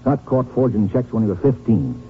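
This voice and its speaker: An actor playing an earnest, folksy, plain-spoken small-town sheriff in a 1950s radio drama. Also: male voice, mid-range voice, expressive, a little fast, natural voice. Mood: earnest, sure. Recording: muffled, noisy 1950s radio recording.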